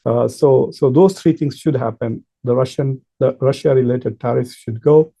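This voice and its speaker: Gravelly, dark-voiced man giving commentary. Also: mid-range voice, fairly even intonation, moderate pace. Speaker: political commentator and professor. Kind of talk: informal political commentary to camera.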